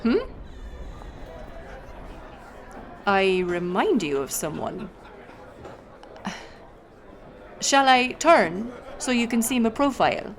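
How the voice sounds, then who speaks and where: A woman's voice: on the high side, animated, moderate pace, a faint crowd. A woman playing a bold, sly pirate captain in an audio roleplay, teasing and swaggering as she speaks to the listener. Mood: teasing, amused. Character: bold, sly female pirate captain, a notorious tavern storyteller.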